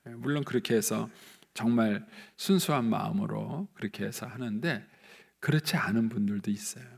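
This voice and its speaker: A male pastor delivers a sermon in a church, his voice gravelly and slightly husky. He preaches in an animated storytelling way, acting out the people he quotes and leaping upward in pitch when he stresses a point. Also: moderate pace. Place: church sanctuary.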